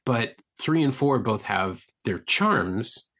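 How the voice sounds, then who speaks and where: A man's voice: medium pitch, expressive, slow pace, sharp tone. A man in his fifties hosting a podcast, chatting casually about films in a wry, talkative way. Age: 50s. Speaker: podcast host. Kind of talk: casual film chat.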